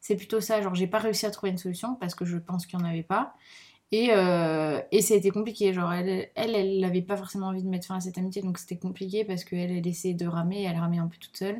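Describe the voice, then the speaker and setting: Speaking at a very fast pace, a woman keeps a monotone, flat intonation. Her pitch is medium. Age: 20s. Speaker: university student and podcast host. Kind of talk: casual chat.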